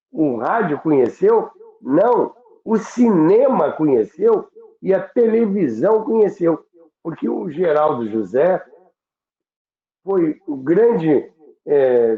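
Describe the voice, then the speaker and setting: Brazilian man, slowish didactic explainer, halting and repetitive, echoey narrow-band line. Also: on the high side. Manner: didactic, halting, repeats and rephrases points. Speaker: radio history commentator and guest. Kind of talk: unscripted explanatory talk recalling broadcasting history. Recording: echoey, narrow phone-like call sound.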